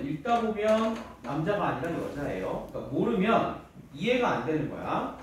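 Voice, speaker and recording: A male high school teacher giving a casual classroom lecture, asking students questions and bantering with them. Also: darkish tone, a little hiss or hum. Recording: echoey classroom from far off.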